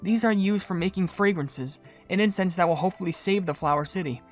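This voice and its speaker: Composed female perfumer for a fantasy game, woman actor: low, soft-spoken, polite, faint music behind. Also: fairly quick, lightly acted. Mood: gently explaining. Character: gentle, composed adult female cookie perfumer. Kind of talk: video game voice acting.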